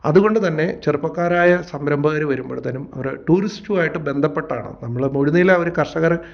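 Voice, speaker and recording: Man, agriculture officer as guest, gravelly voice, measured answers with fillers, dull lo-fi radio sound. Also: fairly high pitch. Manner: measured, explanatory, with hesitant fillers. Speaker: agriculture assistant, interview guest.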